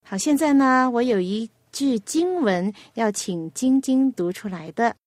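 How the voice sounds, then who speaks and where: A woman hosting a children's radio program, asking a young guest patient, coaxing questions and telling a gentle story. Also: a little high, lively intonation, unhurried, no echo, clean studio sound.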